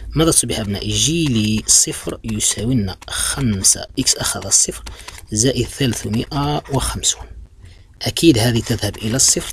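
A man's voice: medium pitch, a little hiss or hum. A man teaching a math lesson, walking students through a graph step by step. He is patient and repetitive, often calls them "my children", and corrects himself with many fillers. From Algeria. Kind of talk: blackboard-style math lesson.

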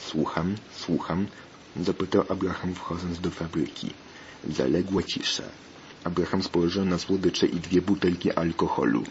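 A man with a very deep voice narrates a story in a flat, even way. The recording is dull and lo-fi, with a faint hiss in the background. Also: moderate pace.

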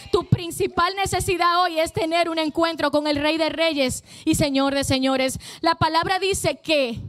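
A woman's voice: high voice, no echo. A woman preaching a fervent sermon to a church congregation, using emphatic repetition and calling out to the people.

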